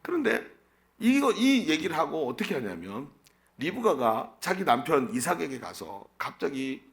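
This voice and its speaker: A male pastor delivers a sermon with a bright, gravelly voice that swings widely in pitch. He keeps turning to the congregation with questions, then answers them himself in an animated way. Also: moderate pace.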